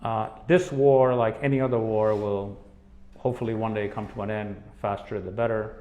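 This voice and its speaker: A man hosting an interview, summing up his guest's points in a measured, steady way. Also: fairly low pitch, phone-quality sound. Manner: measured, sums up the guest's points, soft affirmations. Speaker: interviewer host. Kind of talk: interview questions and summaries.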